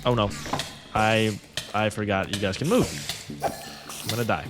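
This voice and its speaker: A man's voice: on the low side, measured pace, over music. A young man casually commenting on his gameplay, rambling and joking with viewers. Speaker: gaming creator. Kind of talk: let's play commentary.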